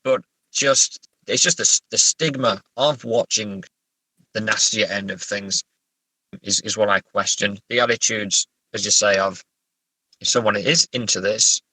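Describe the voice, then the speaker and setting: A man from England chatting casually as an interview guest, halting and self-correcting, with a wry way of telling stories. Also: fairly low pitch, bright, forceful tone, breathy edge, no echo, low-quality recording. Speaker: horror novelist and therapist guest. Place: sitting in a parked car.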